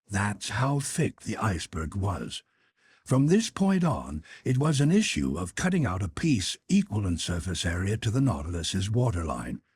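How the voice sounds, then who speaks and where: A man's voice: on the low side, darkish tone, slightly rough, no echo. A man reading a classic novel aloud as a scripted audiobook narration.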